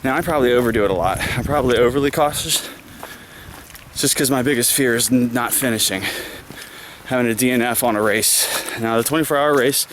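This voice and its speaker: A man's voice: medium pitch, brisk, fairly bright tone. Man vlogging while running, noisy outdoors. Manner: talking while running and climbing on a trail. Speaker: trail runner vlogging his run. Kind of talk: casual vlog commentary to camera. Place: outdoors on a rocky wooded trail. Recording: clear outdoor background noise.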